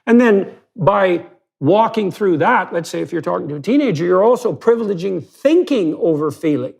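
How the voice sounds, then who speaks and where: A man's voice: sits high, animated, normal speed, vocal fry, a little mellow. A man talking bluntly and emphatically as a guest in a conversational interview, with some mild swearing.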